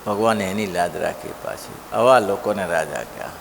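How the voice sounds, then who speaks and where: A male preacher giving a devotional scripture discourse, telling stories in an animated way and asking the listeners rhetorical questions. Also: low voice, normal speed, vocal fry. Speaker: religious preacher. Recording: long hall reverb, faint noise.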